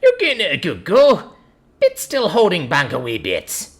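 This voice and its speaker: Loud, thick-accented Scottish black rabbit, as a man puts him on. A gruff, whiskey-sipping male who speaks bluntly and folksily. His voice is pushed up high and loud in a storybook reading. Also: wildly swooping pitch, normal speed, full character voice.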